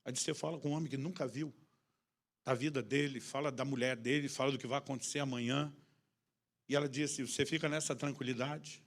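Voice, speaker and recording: A man's voice: mid-range voice, steady tone, quick pace. A man preaching a sermon as a pastor, telling a personal story with humor and acted dialogue.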